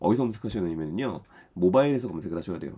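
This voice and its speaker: Against a quiet background, a man with a dark, mellow tone speaks at a very fast pace with lively intonation. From South Korea. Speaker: tech news host. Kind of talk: solo tech news briefing. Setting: screen-share video. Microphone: earbuds.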